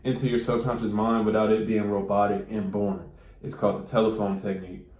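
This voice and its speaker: A man's voice: fairly low pitch, flat delivery, fast talker, a little mellow, reverberant. A man with a stuffy nose giving casual, slangy, profane advice straight to his viewers. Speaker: manifestation coach.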